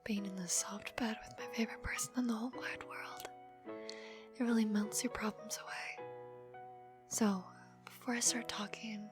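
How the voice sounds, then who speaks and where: A woman playing an affectionate, teasing working wife in an ASMR audio roleplay, chatty and expressive. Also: a little high, moderate pace, pauses often, over music, lightly acted. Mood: tender, tired.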